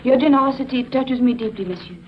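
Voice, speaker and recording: A woman's voice: high-pitched, fast, slight background noise, close to an everyday voice. A woman playing a demure young woman. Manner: soft, formal, demure. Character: young French woman, actress posing as heiress. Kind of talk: 1950s radio drama. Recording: muffled old radio recording.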